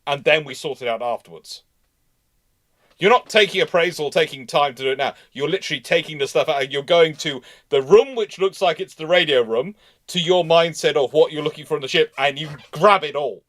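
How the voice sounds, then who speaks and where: A man's voice: a little high, brisk, a bit bright. A man hosting a live history question and answer discussion, explaining in an emphatic, repetitive, digressive way. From Britain. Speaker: naval history show host.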